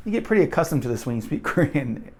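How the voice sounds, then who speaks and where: A man's voice: fairly high pitch, very animated, fast. A man talking casually to camera, rambling with lots of restarts and fillers. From United States. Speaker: language vlogger.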